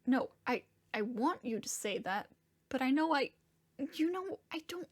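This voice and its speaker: A woman voicing a distraught young monstrous man in a dramatic first-person story, confessing in halting, profane, conversational speech. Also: on the high side, darkish tone. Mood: guilty, anguished.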